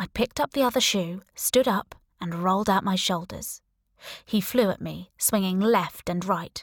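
The background stays quiet. Over it, someone is reading aloud in a natural voice.

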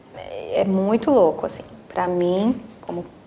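A woman speaks at a fairly slow pace while noticeable background noise carries on. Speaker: stage actress. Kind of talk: interview conversation.

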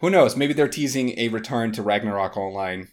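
With ordinary pitch variation, a man speaks in an ordinary speaking voice. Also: very clean recording, silent background. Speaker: podcast co-host. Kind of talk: casual chat.

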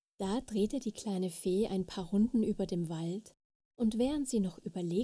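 This plain reading aloud has ordinary pitch variation and a quiet background.

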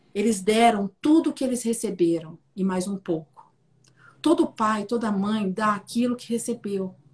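A woman's fairly high, somewhat breathy voice, fairly slow, with ordinary pitch variation. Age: 50s. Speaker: family constellation therapist. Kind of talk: interview on a live stream.

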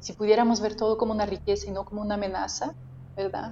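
Here a woman speaks with a Brazilian accent. Her voice sits fairly high and shows ordinary pitch variation. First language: Portuguese (speaking Spanish). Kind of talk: casual interview. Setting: video call.

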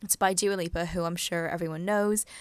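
A woman's fairly low, monotone, flat voice in a British accent, in a very clean recording with a silent background. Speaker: podcast host. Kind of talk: casual monologue. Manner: chatty.

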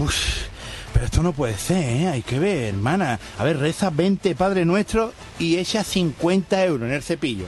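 At a fairly slow pace, a man with a high pitch makes very wide pitch swings amid noticeable background noise. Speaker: joke teller. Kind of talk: storytelling. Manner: animated.

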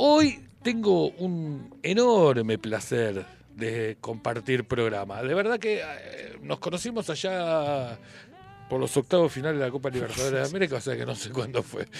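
A man's pitch swings very widely. Noticeable background noise runs underneath. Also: medium pitch for a man, moderate pace. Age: 50s. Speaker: radio host. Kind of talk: casual chat.

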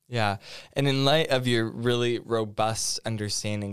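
At a moderate pace, a man talks in an unremarkable speaking voice of medium pitch. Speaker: student podcast host. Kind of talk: casual interview.

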